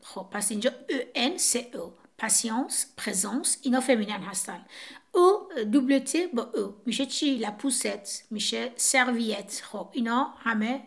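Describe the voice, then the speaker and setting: Brief: woman French teacher, slightly high voice, walks through examples on a board. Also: expressive, vocal fry. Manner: explains step by step, pointing to a board. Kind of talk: casual classroom explanation.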